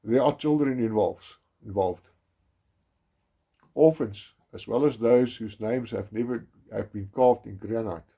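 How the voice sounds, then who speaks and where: A South African man whose first language is Afrikaans narrates a documentary in a grave, measured manner. His mid-range voice is dark, mellow and slightly husky, and he stresses key words heavily, with a few restarts along the way.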